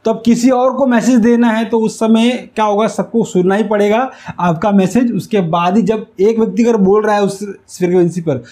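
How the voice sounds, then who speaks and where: A man's voice: sits high, fairly even intonation, normal speed, few pauses, darkish tone. A man giving an instructional lesson, explaining step by step and repeating key phrases. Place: small indoor room with whiteboard. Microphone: lapel mic.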